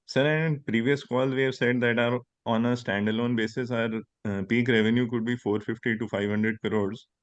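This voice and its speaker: A man's voice: mid-range voice, fairly even intonation, moderate pace, few pauses, no room sound. A man with an Indian accent putting questions to company management as an investor on an earnings call. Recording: dull, dry conference line.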